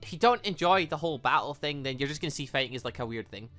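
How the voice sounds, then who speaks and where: A man with a bright, forceful voice commentates on a game. His pitch swings around a lot as he chats excitably and wanders between thoughts. Soft music plays underneath. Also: fast. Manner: excitable, chatty, tangent-prone, thinking aloud. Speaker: host of a game playthrough series. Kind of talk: casual rambling gaming commentary.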